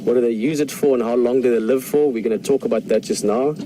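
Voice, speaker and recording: A man's voice: medium pitch, quick pace. South African man guiding a safari. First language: Afrikaans. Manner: enthusiastic, chatty, answering viewer questions. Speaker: safari guide. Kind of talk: live safari commentary. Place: outdoors, open game-drive vehicle in the bush. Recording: outdoor noise, vehicle and birds.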